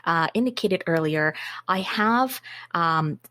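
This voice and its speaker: A woman guest on a business podcast, answering interview questions in a measured, methodical way. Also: on the low side, lively intonation, sharp tone, no room sound. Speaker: guest, business systems consultant.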